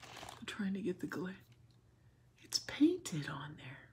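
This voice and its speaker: Slow-talking gushing woman crafter. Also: on the low side, big pitch swings, dark tone. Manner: gushing and tender, often drops to a whisper. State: emotional. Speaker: craft channel host. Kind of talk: casual gift unboxing chat.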